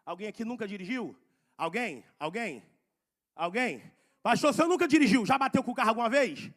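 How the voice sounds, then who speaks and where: Fervent high-voiced preacher. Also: male voice, animated. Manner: fervent, shouting exhortations with drawn-out emphasis. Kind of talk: sermon. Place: church.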